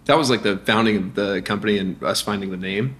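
Fast and lowish in pitch, this man is a founder being interviewed casually about business. He's full of energy, frequently starting over and dropping in filler words.

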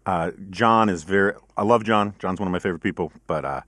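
A middle-aged man with a deep, low voice rambles through a casual podcast chat, full of ums and uhs and a giggly laugh. He is self-deprecating and loose. The sound is close and dry, with no room around it. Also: fast, fairly bright tone, no echo. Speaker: podcast host.

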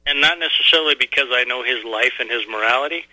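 A man's voice: mid-range voice, fast talker, pushed and bright, no echo, rough recording. A man in his forties calling in to a radio talk show, earnest and a little rambling. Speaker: caller. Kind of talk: phone-in call to a radio show.

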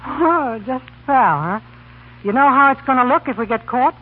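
An actor playing a skeptical, wisecracking young American college student with sarcastic, mock-formal quips in a 1930s radio comedy. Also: male voice, very high-pitched, lively intonation, normal speed, breathy edge, phone-quality sound, exaggerated voice. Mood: wry. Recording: thin, noisy 1930s radio broadcast.

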